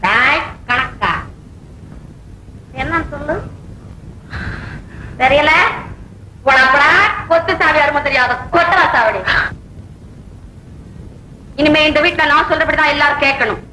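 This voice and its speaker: An actress playing a boastful, bossy comic aunt in a film, with a sing-song teasing manner. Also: female voice, high-pitched, a little slow, long pauses, pushed and bright, a little hiss or hum. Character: boastful comic woman, bossy and self-important. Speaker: aunt taking charge of the household. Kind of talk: 1980s Tamil film acting. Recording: echoey film soundtrack with music.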